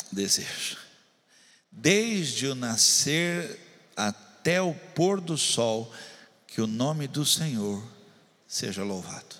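A man's voice: mid-range voice, fairly bright tone, in a large hall. A man preaching a sermon, talking straight to his congregation and building intensity. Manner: preaching with rising intensity, addressing the congregation directly. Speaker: pastor.

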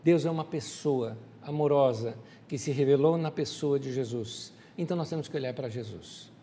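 A man preaching a sermon as a pastor, animated and speaking straight to his listeners. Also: mid-range voice, normal speed, long reverb tail, slight background noise.

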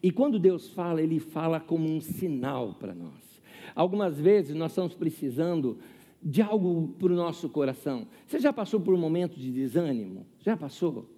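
A man's voice: on the high side, sing-song, normal speed, dark tone, husky, long reverb tail. A man in his fifties preaching a sermon, chatty and humorous, often asking the audience questions and telling a personal story. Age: 50s. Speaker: pastor.

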